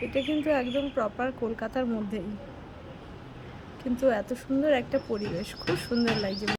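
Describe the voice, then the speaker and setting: A chatty woman vlogging on a handheld phone gives a casual home tour. Her voice sits a little high, with clear background noise under it. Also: normal speed. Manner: chatty, points things out to viewers. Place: new flat and surroundings in a city, indoors and on a balcony. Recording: noisy phone recording.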